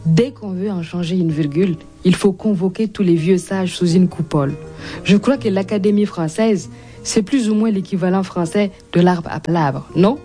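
A woman's voice: fairly low pitch, dark tone. A woman from Burkina Faso with a Burkinabé accent, a Mooré speaker, guest author and comedian reading and talking in an interview.

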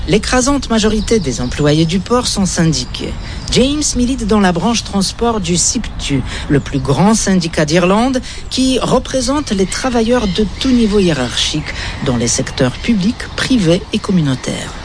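Lively woman narrating a radio report. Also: mid-range voice, a little slow, a little hiss or hum.

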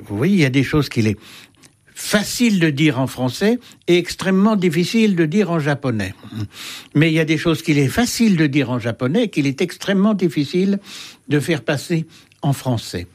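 A man's voice: fairly high pitch, expressive, moderate pace. An older man, a writer, answering interview questions thoughtfully, with many hesitations and restarts. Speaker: writer and guest.

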